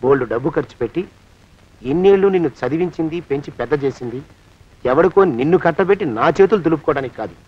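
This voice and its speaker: A scheming, bossy master of the house who fires off insults. He talks fast and his voice sits high. The sound is dull and lo-fi, like an old film print. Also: animated. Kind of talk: comic film acting.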